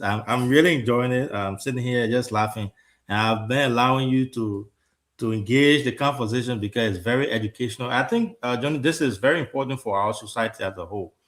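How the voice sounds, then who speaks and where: A man's voice: medium pitch, fairly bright tone. A Liberian man in his thirties with a Liberian accent, hosting a talk show in an earnest, conversational way and often repeating words as he restarts. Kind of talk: casual talk show discussion.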